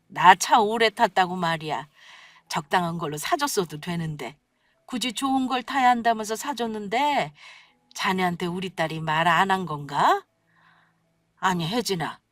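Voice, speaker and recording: Puzzled older mother, read by a woman, slow gentle scolding, lively pitch. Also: no echo, clean studio sound.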